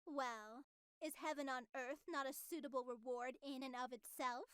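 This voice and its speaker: A female superintelligence from a visual novel, sinister and coolly menacing. The voice is high and very dry, with grandiose, theatrical delivery and a polite edge to every threat. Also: fairly even intonation, moderate pace, a bit bright, smooth, no echo. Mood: grandiose menace. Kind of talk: scripted visual novel voice acting.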